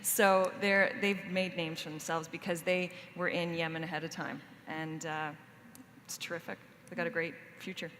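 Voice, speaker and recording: A woman correspondent with a slightly low voice, recounting events with a few fillers. The sound has a long hall reverb and faint noise. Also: flat delivery, normal speed, a bit bright. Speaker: panelist, foreign correspondent. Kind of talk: panel discussion.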